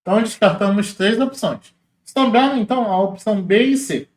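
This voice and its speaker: Echoey male teacher explaining exam answers. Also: sits high. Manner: casual, explanatory, spells out syllables slowly. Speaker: Portuguese teacher. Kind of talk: exam question walkthrough.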